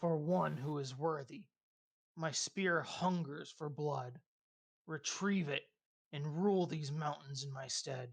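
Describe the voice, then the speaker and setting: A put-on character voice at a low-to-middle pitch moves along at a fairly slow pace. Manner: whispering.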